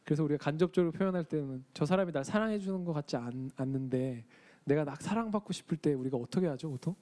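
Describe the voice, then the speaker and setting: A man's voice: a little high, fast talker, warm tone, poor audio. A young man preaching a casual sermon in a church, chatting with the congregation, asking them questions and acting out quoted lines. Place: church sanctuary.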